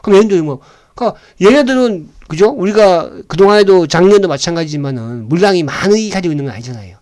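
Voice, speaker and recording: A man gives casual stock commentary in a fairly high, slightly mellow voice, talking fast and animatedly as his pitch leaps up and down. He keeps asking viewers to agree with him and throws in blunt slang.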